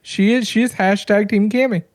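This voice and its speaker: A woman's voice: mid-range voice, fairly even intonation, normal speed, darkish tone. A woman hosting a podcast stream, teasing her co-host in dry, mock-serious comedic banter.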